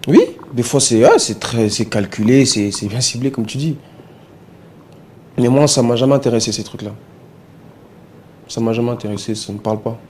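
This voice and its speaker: A male musician talks loosely in an interview, pausing and restarting as he thinks, with Lingala words mixed into his sentences. His voice sits in an ordinary middle register. A faint hiss of noise runs underneath. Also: mid-range voice. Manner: relaxed, hesitant, mixing in Lingala words. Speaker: musician guest. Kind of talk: casual interview talk.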